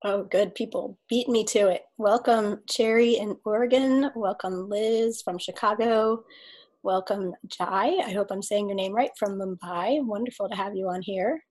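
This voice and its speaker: A woman's voice: medium pitch, fairly even intonation, normal speed. A woman hosting an online video call, welcoming attendees by name, her voice slightly scratchy from a cold. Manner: warm welcoming, reads out chat names. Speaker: host, life coach.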